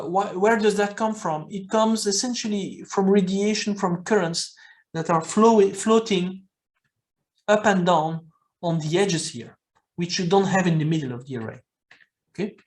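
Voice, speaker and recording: Belgian guy lecturing over a call, stop-start, keeps saying okay?. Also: a little high. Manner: halting, repeats words, checks with "okay?". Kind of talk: technical lecture.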